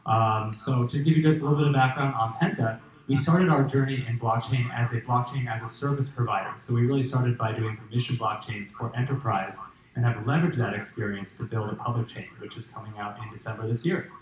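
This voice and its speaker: A man's voice: mid-range voice, a little fast. Guy on a conference panel, sure of himself, really echoey room. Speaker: panelist, company CEO. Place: large conference hall. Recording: echoey hall.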